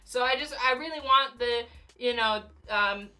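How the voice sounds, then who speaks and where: A young woman chats through a casual vlog in a bright, somewhat high voice, her throat slightly hoarse. She rambles excitedly with plenty of fillers and stray laughs, and soft music sits faintly behind her. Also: measured pace. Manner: rambling, animated fangirl talk with frequent fillers and laughs. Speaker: YouTuber.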